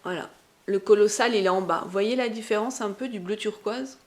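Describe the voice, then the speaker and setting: A woman's voice: medium pitch, a little fast. A woman with a Berrichon accent chats through a makeup haul, talking to her viewers directly. She is talkative and enthusiastic and uses a lot of slang, at a voice height typical for a woman. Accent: Berrichon French. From Berry, France. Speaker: beauty vlogger.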